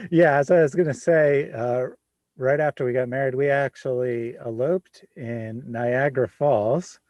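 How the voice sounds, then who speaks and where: A man of forty hosts a casual livestream in an easy, chatty way and laughs now and then. His voice sits at an ordinary middle pitch. The sound is dry and close, with no room around it. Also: measured pace, dry recording. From Midwest United States. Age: 40s. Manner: relaxed, chatty, laughs often. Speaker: livestream host.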